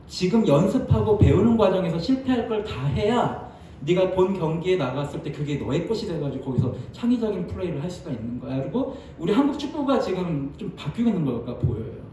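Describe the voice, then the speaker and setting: A man preaching in a church sanctuary, his voice high yet mellow. He talks to the congregation in a lively, conversational way and bursts into loud acted-out quotes. The sound is distant and echoey, with faint room noise behind. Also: brisk. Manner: lively, acts out quoted lines with sudden loud jumps and laughs. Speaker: pastor. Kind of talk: sermon.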